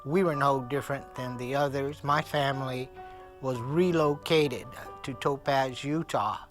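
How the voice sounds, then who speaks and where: An older man from the San Francisco Bay Area with an American accent, recalling his life in a measured documentary interview. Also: mid-range voice, steady tone, fairly bright tone, soft background music. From San Francisco Bay Area, USA.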